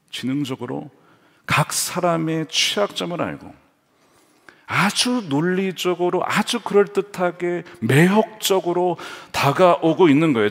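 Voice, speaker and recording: A man's voice: on the high side, husky, big-room sound. A male pastor preaching a sermon, shifting between a plain teaching voice and dramatized quotes. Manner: lively, voices the tempter and quotes in dramatic tones. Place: church sanctuary.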